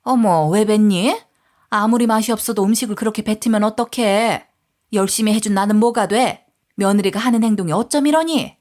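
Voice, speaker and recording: A woman's voice: mid-range voice, moderate pace, a little mellow, natural voice. A woman voicing a harsh, scornful older mother-in-law in a story reading, speaking in curt, scolding phrases.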